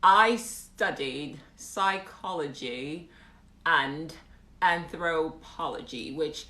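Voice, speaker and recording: A woman's voice: sits low, drawn-out words, pushed and bright. A young woman chatting casually on a livestream in an amateur, put-on British accent, with a wry, self-deprecating manner. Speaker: live streamer. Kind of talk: casual livestream chat, reading out comments. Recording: roomy indoor echo.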